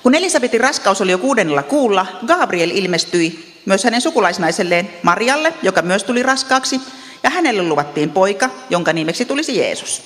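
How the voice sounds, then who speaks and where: A woman with an Ostrobothnian accent, telling Bible stories in a devotional talk with chatty asides and gentle humor. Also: mid-range voice, very animated, long reverb tail, faint music behind. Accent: Ostrobothnian Finnish. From Ostrobothnia, Finland. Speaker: Bible teacher.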